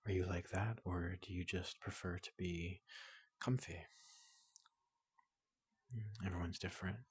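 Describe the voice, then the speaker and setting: Guy doing a gentle robot doctor asmr, super husky and breathy, low voice, dry close mic, soothing checkup talk. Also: fairly even intonation, unhurried, no room sound, full character voice. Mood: gently curious, then curious, soothing. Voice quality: breathy, gravelly, often dropping into whisper. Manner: gentle, hesitant, soothing, clinically polite. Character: tall, gentle robot doctor examining an organic patient. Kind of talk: soft ASMR roleplay. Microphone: close microphone.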